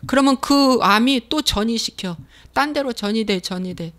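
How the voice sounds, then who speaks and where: Woman pastor, fervent sermon delivery, fairly high voice, drives points home by repetition. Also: moderate pace, a bit bright. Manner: emphatic, repeats key phrases; acts out complaining believers' voices.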